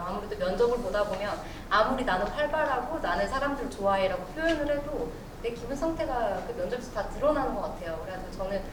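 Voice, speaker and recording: A woman bank employee on a panel, speaking earnestly and encouragingly to job seekers. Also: mid-range voice. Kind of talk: panel talk. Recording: echoey hall, distant mic, noisy.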